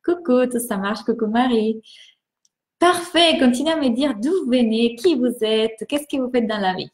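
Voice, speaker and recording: A woman from Italy with an Italian accent, a mindset coach hosting a live stream, greeting viewers warmly and repeating words enthusiastically. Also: fairly high pitch, animated, moderate pace, reverberant.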